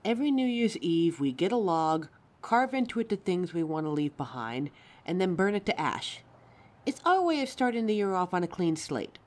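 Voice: mid-range voice, big pitch swings, normal speed, a little mellow, close to an everyday voice. A performer playing a caring, anxious young werewolf partner in a roleplay audio drama, tender and fussing, stammering when flustered. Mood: warm, explaining.

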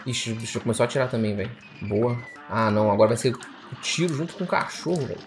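A man with a Brazilian Portuguese accent giving excitable let's play commentary while gaming, often repeating exclamations in bursts. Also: mid-range voice, quick pace, soft background music. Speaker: gamer.

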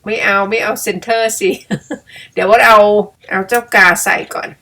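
Bright chatty middle-aged woman. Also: fairly high pitch, fairly even intonation, normal speed. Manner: chatty, self-mocking, laughs often. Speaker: storyteller and vlogger. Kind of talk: casual storytelling while editing pictures.

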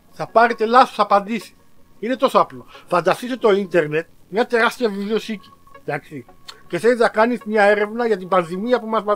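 A man vlogging in a casual storytelling style, animated and self-mocking, who talks straight to his viewers with slang and big exaggerated outbursts. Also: high voice.

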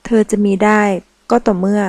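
A woman voicing a domineering young male mafia boss in an audiobook, speaking slowly and with command. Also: darkish tone, dry recording, natural voice. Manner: slow, commanding and menacing.

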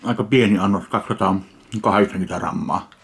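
A man from Finland tasting and reviewing a ready meal in slow, dry, deadpan remarks. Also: lowish voice. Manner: slow, dry, deadpan commentary between bites. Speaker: food reviewer. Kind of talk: casual food tasting review.

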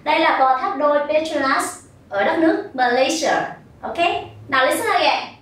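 A woman with a Vietnamese accent teaching English vocabulary to primary pupils, modelling each word slowly and clearly for repetition. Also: high voice, a bit bright. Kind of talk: recorded vocabulary lesson. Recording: very echoey room, voice from a distance.

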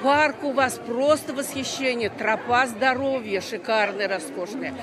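A woman's voice: a little high, unhurried, heavy background noise. A woman in her sixties, a festival participant, giving an on-the-spot interview into a reporter's microphone. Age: 60s. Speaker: amateur comedy team member. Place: theatre stage, handheld reporter mic. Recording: loud crowd chatter behind.

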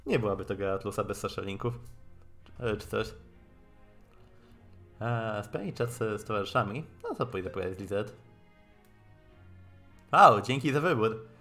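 Low-voiced male game streamer over music. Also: animated, pushed and bright. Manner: wry asides, halting when reading. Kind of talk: live game stream, reading dialogue aloud and commenting.

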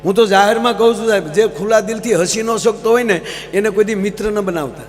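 A man's voice: high voice, fast. A man telling folksy humorous stories on a live stage, often addressing the audience as sir. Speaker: folk comedian. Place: large live stage program. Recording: reverberant live hall, faint mains hum.

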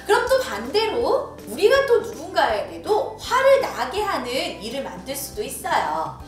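Lively, high-pitched woman teacher for children. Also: normal speed. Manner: animated, acts out quoted voices. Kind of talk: lesson video for young children. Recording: echoey room from far off with music.

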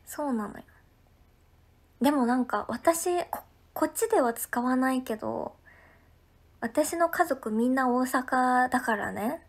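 A woman from Ehime, Japan, speaks casually on a livestream in a high voice with an Ehime Japanese lilt, reading viewer comments aloud. She's friendly and chatty, often drifting into soft, breathy half-whispers, with lively intonation, a slightly slow pace, and long pauses.

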